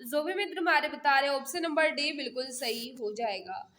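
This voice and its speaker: High-pitched woman teaching a live quiz class. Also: moderate pace, pushed and bright, echoey room. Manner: instructional, repeats questions and answers, prompting listeners. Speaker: exam prep teacher hosting a live class. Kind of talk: live quiz lesson, reading questions and answers aloud.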